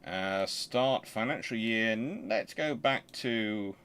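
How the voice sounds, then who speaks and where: A man hosting a history channel, explaining informally and thinking aloud in a halting, conversational way. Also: fairly low pitch, fairly bright tone, smooth. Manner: conversational, halting, muttering to himself while working.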